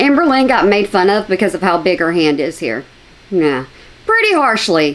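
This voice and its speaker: With an American accent, a woman at medium pitch speaks at a moderate pace with very wide pitch swings. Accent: Texas accent, sometimes pronounced. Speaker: YouTube reaction commentator. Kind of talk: reaction commentary.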